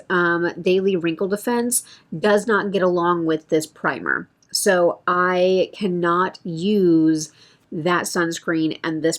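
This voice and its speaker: Lower-pitched chatty woman vlogger. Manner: chatty, self-correcting, thinking aloud. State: voice feels strained. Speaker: beauty vlogger. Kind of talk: casual product update chat.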